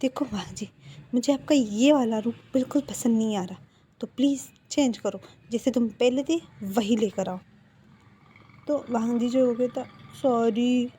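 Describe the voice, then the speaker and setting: A woman's voice: fairly high pitch, moderate pace, dark tone, slight background noise. A woman casually retelling a fan-fiction story, chatty and often repeating connecting words.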